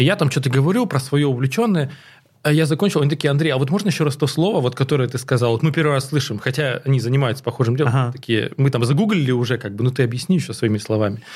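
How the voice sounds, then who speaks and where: The man's medium-pitched voice is somewhat breathy. He speaks at a very fast pace. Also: ordinary pitch variation. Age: 30s. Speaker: podcast co-host, teacher. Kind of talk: casual chat.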